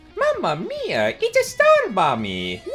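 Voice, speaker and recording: A put-on character voice speaks at a fairly slow pace. Music plays in the background. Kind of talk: exclamatory, playful. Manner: put-on cartoon voice.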